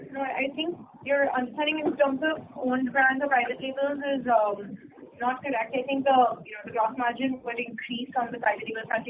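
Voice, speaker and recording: A woman speaking as a company executive, explaining figures to analysts on an earnings call. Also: on the high side. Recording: noisy narrow phone line.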